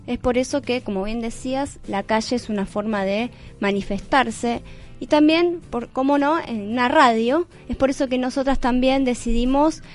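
An Argentine woman co-hosts a radio talk show. Her voice sits a little high, and faint music runs behind her. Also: moderate pace. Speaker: radio co-host.

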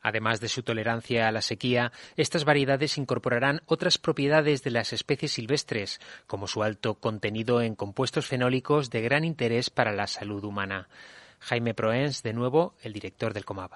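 A man reading news reports for a university radio bulletin in a measured, even delivery. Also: mid-range voice, no echo.

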